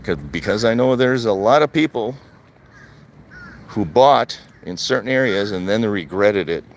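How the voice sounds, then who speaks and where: A man's voice: on the low side, expressive, measured pace, slight background noise. An older man from Wisconsin, chatting casually on a live stream while walking outdoors. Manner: plain, conversational, repeats his points. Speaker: vlogger. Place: outdoors, walking in a retirement community.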